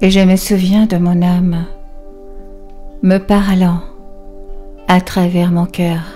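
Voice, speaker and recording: With music in the background, a woman speaks at a medium pitch in a monotone, flat way. Her pace is very slow, broken by long, frequent pauses. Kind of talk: guided meditation reading.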